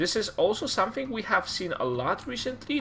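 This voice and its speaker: A speaker with a non-native accent is heard over noticeable background noise. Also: man. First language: not English. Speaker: esports caster. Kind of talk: live commentary.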